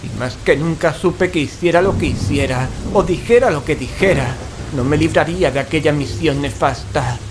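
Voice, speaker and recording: A man's voice: a little high, normal speed, background noise, lightly acted. An actor from playing a fearful male paranormal investigator, telling horror in an anxious, ornate, dramatic way. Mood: tense dread. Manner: anxious, ornate, dread-laden delivery. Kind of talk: dramatic first-person horror narration and radio-play dialogue. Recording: dramatic music, rain and thunder behind. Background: music, rain, thunder.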